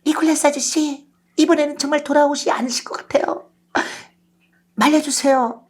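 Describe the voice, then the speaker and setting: A woman acts an anxious young niece in a storybook. Her voice is high and tearful, imploring with worried urgency. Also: fairly even intonation, moderate pace, darkish tone, close to an everyday voice. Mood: tearful, pleading.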